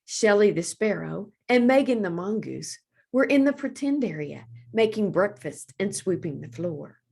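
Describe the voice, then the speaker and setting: A woman reading aloud for young children as a librarian, with deliberate, expressive phrasing. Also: medium pitch, vocal fry, breathy edge.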